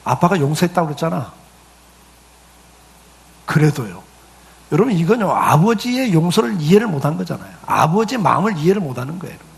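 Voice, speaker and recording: Brief: middle-aged man, pastor, talky sermon with questions to the congregation, somewhat high, gravelly voice. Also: sing-song, rapid-fire. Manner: conversational preaching with acted quotes and rhetorical questions.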